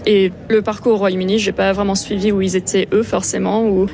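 A young woman researcher from France answers interview questions quickly, with many hesitations. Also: medium pitch, flat delivery, gravelly, mellow. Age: young adult. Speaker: prize-winning researcher. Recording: crowded outdoor interview. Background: crowd noise.

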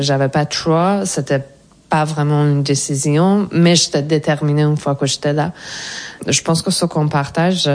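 A woman's voice: low-pitched, darkish tone. A woman from Iran, speaking French as a guest in a radio interview and answering thoughtfully, searching for her words. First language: Persian. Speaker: actress guest.

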